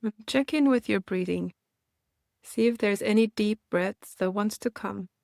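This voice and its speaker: In a guided meditation, a woman gives gentle instructions in a voice of average female pitch with some vocal fry. The recording is very dry with almost no room sound. Her tone is reassuring, and she leaves unhurried pauses between phrases.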